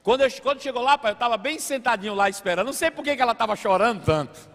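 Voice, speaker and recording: A man preaching a sermon as a pastor, telling a family story with animated acted-out voices. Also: very high-pitched, racing. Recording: long hall reverb.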